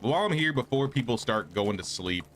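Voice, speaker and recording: A man's voice: medium pitch, animated, fairly quick, a bit bright, a little hiss or hum. A man giving casual, laid-back, slangy commentary while livestreaming a game. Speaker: game streamer. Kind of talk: casual livestream gaming commentary, reading quest dialogue aloud.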